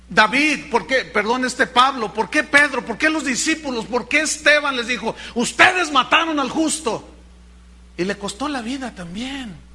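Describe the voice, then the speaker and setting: A man's voice: sits high, pushed and bright. A man, a pastor preaching a sermon with dramatic rhetorical questions.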